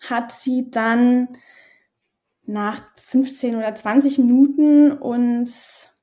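High-voiced German-French woman in her thirties. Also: steady tone, slow pace, mellow. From Berlin, Germany. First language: bilingual German-French. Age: 30s. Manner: candid, hesitant with many fillers. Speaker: guest. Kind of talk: personal interview.

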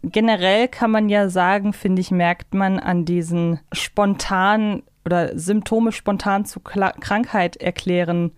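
A woman with a smooth, clear voice of medium pitch co-hosts a podcast. She chats reflectively and casually in a very dry recording. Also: steady tone, a little slow, few pauses, no room sound. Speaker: podcast co-host. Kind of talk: casual chat.

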